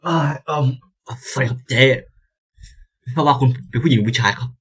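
A young man commentating as he plays a visual novel, excitable and swearing, sometimes stumbling over words. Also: mid-range voice, fast talker. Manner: excitable, yelps and swears at scares; reads game lines aloud, stammering. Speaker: gameplay streamer. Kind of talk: casual let's-play commentary.

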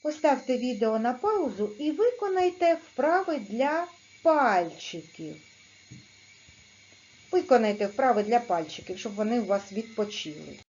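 A woman teaching a video lesson to young pupils, speaking clearly and patiently and sounding out letters and syllables. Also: a little high, sing-song, a little mellow, highs cut off. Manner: slow, clear, patient dictation-like instruction. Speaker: primary school teacher.

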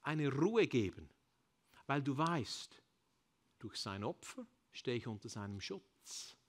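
A Swiss-accented man preaches a sermon in a church service. He builds fervently to loud, ringing calls and then lets each phrase fall away quietly. English phrases slip into his talk now and then. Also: mid-range voice, very animated, slow. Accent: Swiss German. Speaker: pastor.

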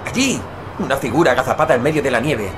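A man's voice: mid-range voice, expressive, fast talker, background noise, lightly acted. An actor playing an anxious, impatient stranded husband and father in an audio drama, agitated, demanding and prone to stammer. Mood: alarmed, unsure.

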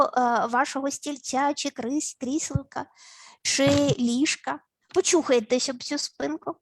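A woman psychologist leading grounding exercises in an online session, speaking in a slow, instructive way with repeated words and playful sounds. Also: high voice, darkish tone, no room sound. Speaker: family and child psychologist. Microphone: video call.

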